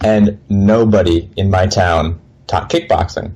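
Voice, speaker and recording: A man with an American accent speaks at a fairly low pitch over noticeable background noise. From US Midwest, Minnesota. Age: 20s. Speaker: kickboxing coach. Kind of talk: interview.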